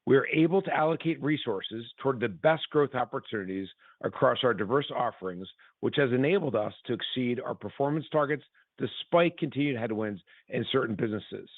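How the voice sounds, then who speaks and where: A man's voice: medium pitch, a little fast, no echo. Man on a phone line, formal presentation. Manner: formal, businesslike. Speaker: company executive presenting quarterly results. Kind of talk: scripted earnings call presentation. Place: conference call line. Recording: tinny phone-line sound.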